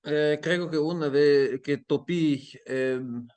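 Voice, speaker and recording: This man's voice sits fairly high, smooth and a little mellow, with fairly even intonation. A language teacher whose first language is Dutch, he talks slowly and hesitantly in a casual interview at his Amsterdam home, full of fillers, restarts and pauses to find words.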